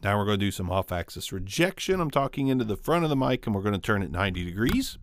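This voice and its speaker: A man's voice: very animated, fast talker, no echo. A man in his forties reviewing a microphone in a casual, upbeat way, talking close into a studio condenser in a small home studio. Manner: upbeat, conversational, frequent pitch jumps when emphasizing. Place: small dark studio room with guitars. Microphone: studio condenser on boom, close.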